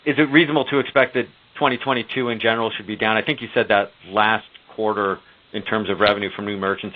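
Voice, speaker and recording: Lowish male analyst over the telephone. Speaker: financial analyst asking questions. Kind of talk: earnings call questioning. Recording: narrow phone-line sound.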